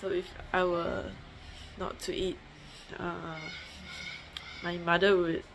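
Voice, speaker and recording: A young woman talking straight into a phone held close at home, her voice sitting a little low. She wanders through her points in a plain, matter-of-fact way, full of fillers and restarts. There is a steady hiss of background noise under the voice. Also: takes it slowly, vocal fry. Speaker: vlogger. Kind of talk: casual diet vlog to camera. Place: home, indoors. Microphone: phone held close at arm's length. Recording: noisy home phone recording.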